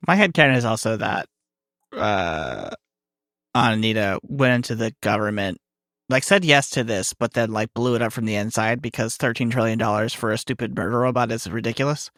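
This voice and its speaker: A man's voice: fairly low pitch, moderate pace, fairly bright tone, no room sound, studio quality. A man co-hosting a podcast, talking in an offhand, joking way in casual chat. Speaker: podcast co-host and player.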